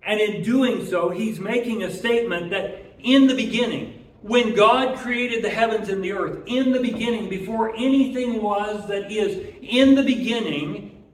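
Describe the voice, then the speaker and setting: A man's voice: high-pitched, unhurried, reverberant, far from the mic, slight background noise, poor audio. A man preaching a sermon in an earnest way, who often repeats words as he restarts and draws out key phrases.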